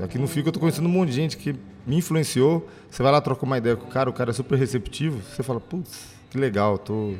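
Over music in the background, a man speaks at a very fast pace and a medium pitch, with ordinary pitch variation. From Franca, São Paulo state, Brazil. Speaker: comic artist. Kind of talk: casual chat.

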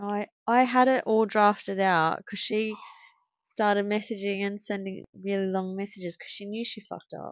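The speaker has an Australian accent and a moderate pace with monotone, flat intonation. Loudness swings a lot. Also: woman, medium pitch for a woman. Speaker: podcast co-host. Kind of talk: casual chat.

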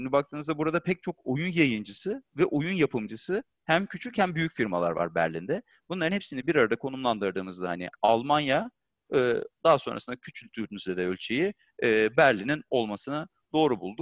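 The voice swings very widely in pitch at a fairly quick pace, with a dry, close sound and no echo. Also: man, fairly high pitch for a man. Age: 30s. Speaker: corporate communications director. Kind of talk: webinar interview.

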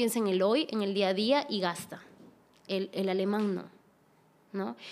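A woman at medium pitch and a fairly slow pace, an ordinary speaking voice. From Spain, Castellón de la Plana (born in Trujillo, Peru). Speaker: guest, migrant in Germany. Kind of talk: casual interview.

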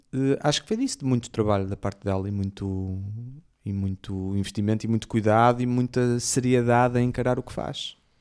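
A man with a plain, everyday voice speaks at a medium pitch and a fairly quick pace. His intonation is fairly even on a very clean recording with a silent background. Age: 30s. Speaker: musician in a band. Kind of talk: casual chat.

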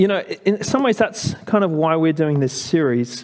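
With an English accent, a man talks at a moderate pace in a high voice with ordinary pitch variation. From England. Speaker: preacher. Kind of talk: sermon.

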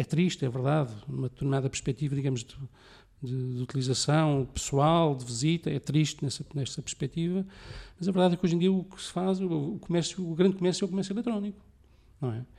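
The man's voice is fairly high-pitched with a dark, mellow tone and ordinary pitch variation. He goes at a very fast pace on a very clean recording with a silent background. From Lisbon, Portugal. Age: 50s. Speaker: law graduate and public commentator. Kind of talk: interview conversation. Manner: hesitant, many fillers and repetitions.

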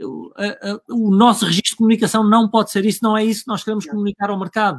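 A man speaks fairly quickly in a dry, close sound that carries no echo. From Portugal. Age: 50s. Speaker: business consultant. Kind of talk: casual interview. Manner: hesitant, many fillers and repetitions.

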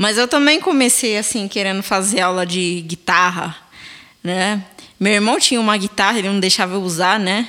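A woman with a Brazilian accent speaks with fairly even intonation. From Brazil (born in Chile, moved at age two). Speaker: musician and podcast co-host. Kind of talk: casual chat.

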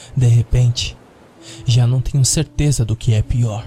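A man delivers his words in a dramatic tone at a very slow pace. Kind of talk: scripted horror narration, first-person creepypasta read aloud. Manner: tense, suspenseful, building dread with dramatic pacing.

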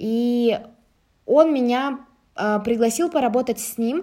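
A woman's dark, mellow tone at a fairly high pitch, with ordinary pitch variation, on a very clean recording with a silent background. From Kazakhstan, Almaty. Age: 20s. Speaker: artist and photographer. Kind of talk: interview.

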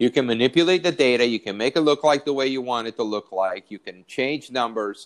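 A man with a plain, everyday voice at a fairly quick pace, hardly any pauses, ordinary pitch variation and big swings in loudness, in a dry, close sound with no echo. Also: medium pitch for a man. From San Diego, California. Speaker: podcast host. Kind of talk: casual chat.

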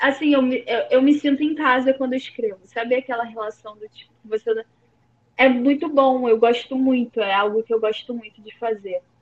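A woman's high-pitched voice at a moderate pace, fairly even in intonation but with big swings in loudness, in a dry, close recording without echo. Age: 20s. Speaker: author. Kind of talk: interview. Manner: halting, many fillers and repetitions.

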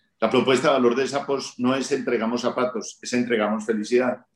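A man speaks in an ordinary speaking voice at a medium pitch with fairly even intonation. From Colombia, Manizales. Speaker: author and customer service speaker. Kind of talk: interview storytelling.

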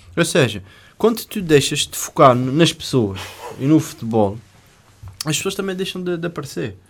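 A man at fairly high pitch, with very wide pitch swings, a moderate pace and long, frequent pauses, on a very clean recording with a silent background. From Azores, Portugal. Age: 30s. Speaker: lawyer and football club president. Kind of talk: casual interview. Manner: animated; halting.

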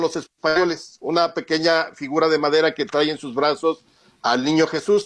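A man's fairly high-pitched voice, a normal speaking voice, at a moderate pace. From Mexico. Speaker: historian. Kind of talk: radio interview.

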